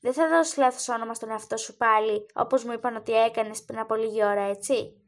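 A woman voicing a stern, ailing, heavyset old king who speaks tenderly and coaxingly to his son, in a lowered voice. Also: fairly even intonation, close to an everyday voice.

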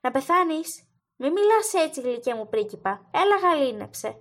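Woman voicing a tender old storybook king. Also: very animated. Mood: tender, coaxing. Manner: gentle, coaxing, lowered voice. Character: stern, sick, heavyset old king, tender to his son.

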